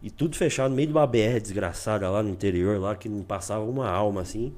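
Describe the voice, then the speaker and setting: A man's voice: lowish voice, quick pace, a little mellow. A young man with a Brazilian accent, a guest telling a road trip story in slangy casual chat and acting out the people he quotes.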